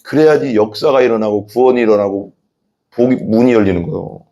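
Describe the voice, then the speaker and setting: Brisk and medium-pitched, another preacher delivers his sermon with animation. He voices quoted dialogue himself, quizzes the congregation and gets them to repeat after him.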